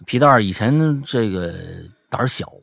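A man hosting a casual chat show, telling stories in an animated, emphatic way. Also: medium pitch, normal speed, dry recording.

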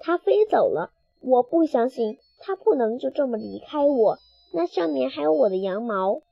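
A woman's voice: sits high, normal speed, gravelly, husky, no echo, dull audio, full character voice. A woman voicing a small, eager young male lamb in a children's storybook. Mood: upset. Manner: eager, excitable. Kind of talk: storybook character voice.

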